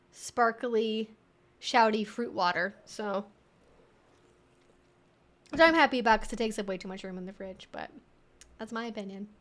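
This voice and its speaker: A woman's voice: a little high, a bit bright. A young woman hosting a livestream, chatting in an informal, rambling way as she answers viewer comments. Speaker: livestream host.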